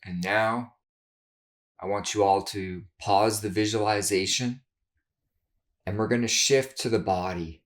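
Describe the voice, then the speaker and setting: A man leading a guided meditation in a soothing, measured way, giving gentle instructions with long pauses. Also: on the low side, fairly even intonation. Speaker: guided meditation leader, therapist.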